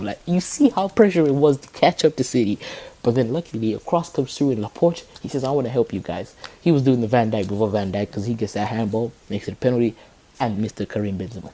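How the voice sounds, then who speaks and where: A young man hosting a podcast, chatting excitedly about football, laughing often and hammering the same rhetorical question. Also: medium pitch. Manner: excitable, keeps repeating "tell me why", laughs often. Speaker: podcast host. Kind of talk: casual football chat.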